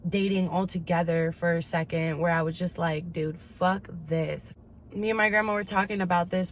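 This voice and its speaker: A woman in her twenties talking candidly in a casual confessional chat, slangy and swearing freely. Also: on the low side. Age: 20s. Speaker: vlogger. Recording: clear background ambient noise.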